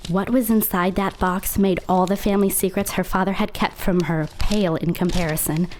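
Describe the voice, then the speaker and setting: A woman playing a haunted, confiding teenage girl who narrates a horror audio drama in a deliberate, dramatic way. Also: fairly low pitch, steady tone, darkish tone, slight background noise, natural voice. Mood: hushed suspense.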